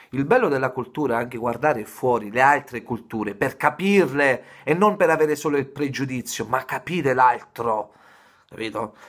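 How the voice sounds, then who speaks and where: All is quiet behind the man. He talks at a moderate speed, his pitch shifting in an ordinary way. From Germany, Italian family. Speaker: YouTuber. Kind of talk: vlog rant. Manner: halting. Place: kitchen. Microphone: phone near.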